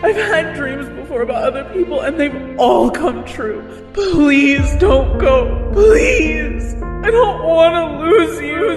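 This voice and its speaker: A woman's voice: sits high, expressive, slow. A woman acting an anxious, pleading daughter full of foreboding in an amateur radio drama. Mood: frightened pleading. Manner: pleading, urgent. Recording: distant, echoey hall sound behind music.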